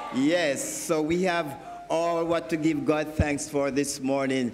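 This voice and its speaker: The speaker is a man. His delivery stays monotone, with flat intonation. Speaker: church host giving welcome. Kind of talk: church welcome address. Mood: warm, cheerful. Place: church.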